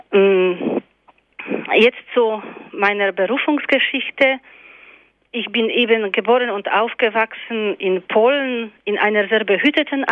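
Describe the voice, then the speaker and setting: A woman with a Polish accent recounts her life story as a nun, speaking carefully in German and pausing often with small fillers. Her voice comes through a thin, phone-like line that sounds completely dry. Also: medium pitch, dry recording. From Poland. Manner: thoughtful, many hesitations and fillers. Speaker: guest, missionary nun. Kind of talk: personal testimony interview.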